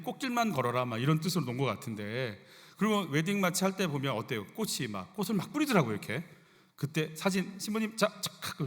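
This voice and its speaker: A middle-aged male senior pastor preaching a sermon, animated and conversational, often asking the congregation rhetorical questions. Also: medium pitch. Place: church sanctuary. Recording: church hall reverb.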